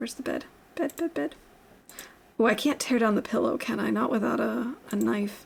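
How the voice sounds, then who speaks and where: A woman speaks at a moderate pace with an American accent, leaving long, frequent pauses. Noticeable background noise runs underneath. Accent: mostly nondescript American. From New York City. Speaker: video game streamer. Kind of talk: casual gameplay livestream chat. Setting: livestream.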